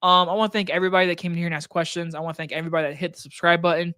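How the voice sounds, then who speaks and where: A man with a scratchy, hoarse throat hosting a casual live stream Q&A from his desk, talking loosely with plenty of likes and restarts into a microphone on a boom arm. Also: little pitch movement, very fast, pushed and bright, dry recording, studio quality. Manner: loose, rambling talk with many likes and restarts. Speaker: movie reviewer and channel host. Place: home desk setup.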